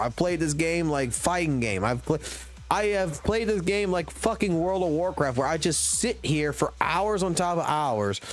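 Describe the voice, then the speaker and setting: A man in his thirties ranting profanely and emphatically on a casual gaming livestream, talking into a desk mic at a home streaming setup. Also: fairly high pitch. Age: 30s.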